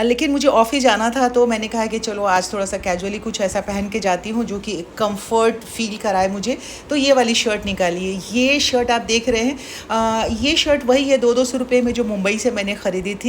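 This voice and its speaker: High-voiced woman vlogging, some background noise. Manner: chatty, explanatory. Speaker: vlogger and radio broadcaster. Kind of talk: casual daily vlog narration.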